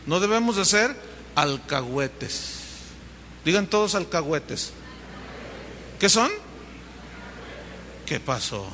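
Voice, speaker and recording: A Mexican pastor preaches with a bright, lively delivery, voicing the people in his story as he goes. His voice rings through a large hall with a long reverb. A faint hum of the room sits underneath. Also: high-pitched, slow, long pauses. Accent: Mexican Spanish. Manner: animated storytelling, acting out dialogue. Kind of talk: sermon. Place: church hall.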